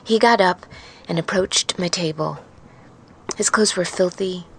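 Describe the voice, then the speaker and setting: A woman playing a wary, haunted truck driver in an intimate, confiding, halting audio-drama monologue. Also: on the low side, slight background noise. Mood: uneasy, haunted. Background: music.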